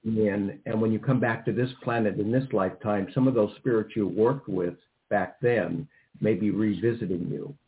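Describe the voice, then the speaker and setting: A man's voice: fairly low pitch, steady tone, normal speed. A man hosting a psychic call-in radio show, giving rambling, cautious advice full of fillers. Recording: tinny phone-like line.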